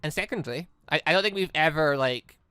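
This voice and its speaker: A man hosting a let's play, rambling excitably and thinking aloud in casual commentary. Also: a little high, fairly quick, clear, resonant tone, no room sound. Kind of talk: casual game commentary with read-out dialogue. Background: faint music.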